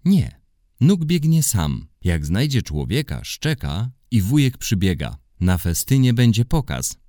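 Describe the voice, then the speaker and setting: A man's voice: low-pitched, very animated, unhurried, dark tone, dry recording, studio quality, voice pushed up. A man voicing a small boy who proudly talks about dogs in a children's storybook reading. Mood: eager.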